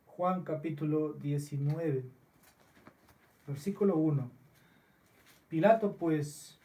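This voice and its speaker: A man preaching a sermon as pastor, slow and deliberate with frequent restarts, recorded in a church. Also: fairly high pitch, warm tone, far from the mic. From Peru.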